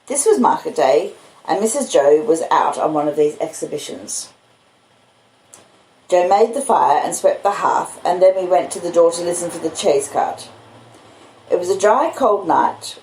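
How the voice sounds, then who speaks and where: A woman's voice: on the low side, lively intonation, unhurried, darkish tone, reverberant, poor audio. A woman with an Australian accent reading a classic novel aloud as scripted storybook narration. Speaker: audiobook reader.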